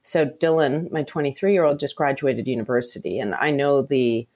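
Candid low-voiced woman in her fifties. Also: normal speed, a little mellow. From Canada. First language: Hungarian. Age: 50s. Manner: frank, chatty, storytelling with asides. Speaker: guest. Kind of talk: candid conversational interview.

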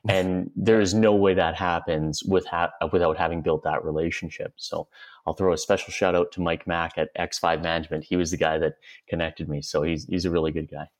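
A man with a very deep voice, answering interview questions in an earnest, reflective way. He talks things through at length and gives his reasons step by step. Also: level tone, fairly quick. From Western Canada. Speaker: guest, company CEO.

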